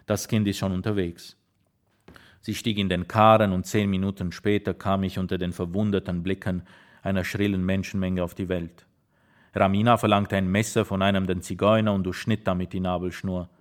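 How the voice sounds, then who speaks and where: A man narrating an audiobook in a measured storytelling manner. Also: low voice, level tone.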